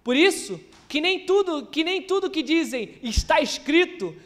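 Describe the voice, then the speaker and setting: A man's voice: extremely high pitch, lively intonation, unhurried, fairly bright tone. A Brazilian man preaching a sermon at a church service, earnestly acting out quoted lines and often restarting his words. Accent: Brazilian Portuguese.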